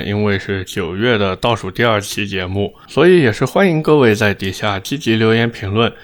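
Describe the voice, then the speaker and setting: A man hosting a car review show, speaking with slightly slurred, thick-tongued diction in a blunt, sarcastic, opinionated manner. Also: lowish voice. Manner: blunt, sarcastic, rhetorical questions. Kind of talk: opinionated car commentary to audience.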